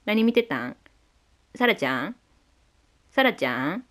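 A woman with a Kansai accent giving playful, excitable let's play commentary. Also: mid-range voice, measured pace. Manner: playful, excitable, shouts at the screen. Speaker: game commentator.

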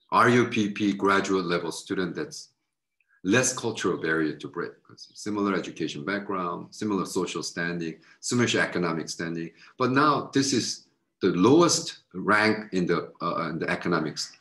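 A middle-aged man, a missionary, giving a frank recorded slide lecture from a room on his webcam, repeating words and jumping up in pitch for quoted voices. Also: expressive, normal speed, a bit bright, roomy sound. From United States.

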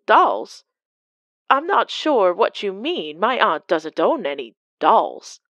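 A woman's voice: mid-range voice, sing-song, slow, fairly bright tone, no room sound, lo-fi sound. A woman playing a courteous worried lady. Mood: polite. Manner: courteous, apologetic. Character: polite worried woman on the phone. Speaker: client on the phone. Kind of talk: amateur audio drama acting.

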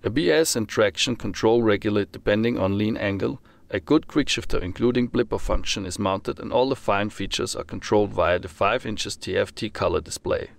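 A man reading a scripted motorcycle review as voice-over, in a steady, formal manner. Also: fairly low pitch, brisk, creaky, hardly any pauses. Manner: steady, formal read-through of technical details.

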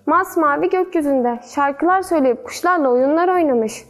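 A woman storyteller reading a children's fairy tale in a gentle, measured way. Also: high voice, faint music behind.

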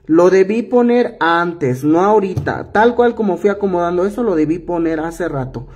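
A man teaching a jewelry-making tutorial, hoarse from a cough, explaining each step patiently and repeating himself as he works. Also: high voice, lively intonation, moderate pace, darkish tone. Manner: patient, repetitive step-by-step instructing. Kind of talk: hands-on craft tutorial.

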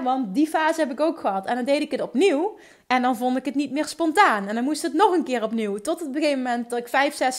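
A woman with a Limburg accent, hosting a solo podcast, talking in an energetic, enthusiastic way with quick restarts. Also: high-pitched. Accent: Limburg Dutch. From Limburg, Netherlands. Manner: energetic, enthusiastic, talks fast with many restarts. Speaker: podcast host.

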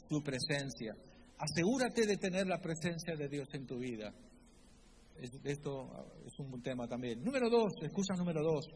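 A man's voice: fairly high pitch, a little hiss or hum. A man from preaching a sermon, emphatic and repeating key phrases as he quotes scripture with feeling. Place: church. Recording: reverberant church hall with faint ambience.

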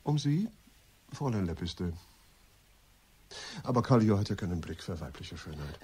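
An actor playing a flirtatious, teasing male friend in a German radio play, with suave banter and a husky voice. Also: low voice, very animated, moderate pace, dark tone, heavily acted.

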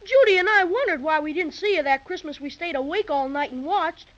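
Casting: wide-eyed eager boy, very high voice, old radio sound. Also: fairly quick. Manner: eager, exclaiming in slang. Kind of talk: 1930s radio drama acting. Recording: dull lo-fi 1930s radio transcription.

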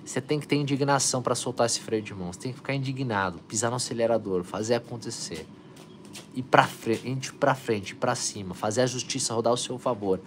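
A man's voice: mid-range voice, a little fast, a little hiss or hum. A man hosting a motivational live stream, urging viewers on with energy and reading out their comments. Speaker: live stream host, coach.

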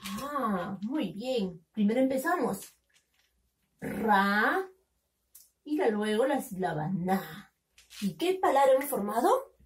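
A woman teaching a phonics lesson to young children, sounding out syllables slowly and coaxing them with questions. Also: fairly high pitch, sing-song, a little mellow, far from the mic. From Peru. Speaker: kindergarten teacher.

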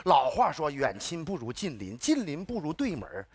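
A ranting sitcom neighbour. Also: male voice, on the high side, moderate pace, husky, heavily acted. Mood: placating. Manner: repetitive ranting, then mock-calm lecturing. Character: excitable neighbour man who rants and rambles. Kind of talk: sitcom sketch acting.

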